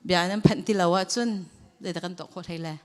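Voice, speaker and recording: A woman's voice: on the low side, fairly even intonation, quick pace. A woman leading a church training session, talking conversationally to a group. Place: church hall. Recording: long hall reverb.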